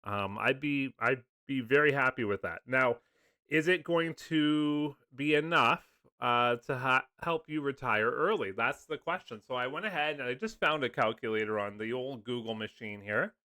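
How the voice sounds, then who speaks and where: In a casual screen-share explainer about funds, a man who's just over a cold talks loosely and chattily, using many fillers. He's a finance video host with a medium-pitched, sharp-toned voice at a moderate pace, and there's no room sound.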